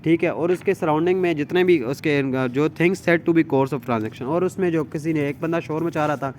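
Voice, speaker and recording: A man's voice: a little high, normal speed, darkish tone, slight background noise. A man with a Pakistani accent giving an explanatory law lecture, reading out formal text and explaining it informally in a repetitive way with frequent check-ins.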